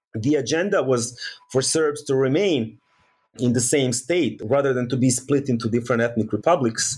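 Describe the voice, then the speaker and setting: This man's fairly high voice moves with ordinary pitch variation. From Bosnia, Sarajevo. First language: Bosnian. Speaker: political science professor and author. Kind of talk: interview about his book.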